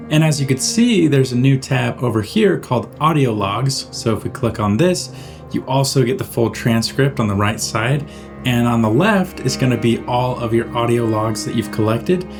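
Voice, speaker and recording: A man narrating a software tutorial in an informal, step-by-step way, as the host. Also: mid-range voice, moderate pace, over music. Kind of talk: casual screen-recorded software tutorial narration.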